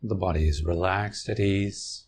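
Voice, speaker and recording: A man with a very deep voice leads a guided meditation. He speaks slowly and calmly, leaving long pauses between short phrases. A faint hiss of noise sits under the recording. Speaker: meditation teacher.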